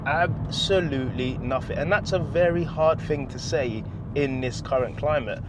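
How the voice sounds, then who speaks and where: Behind the wheel on a wet road, a middle-aged man chats enthusiastically through a casual driving review, poking fun at himself as he goes. He speaks in a mid-range voice at a moderate pace, with car road and rain noise in the recording.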